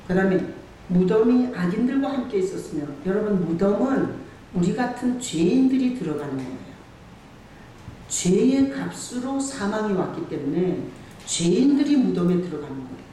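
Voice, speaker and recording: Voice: medium pitch, warm tone. Pastor preaching hard in a big echoey church, mic way off, keeps asking the crowd questions. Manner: emphatic, asks the congregation rhetorical questions. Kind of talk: sermon. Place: church sanctuary. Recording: very echoey church hall, far from the mic, faint hiss.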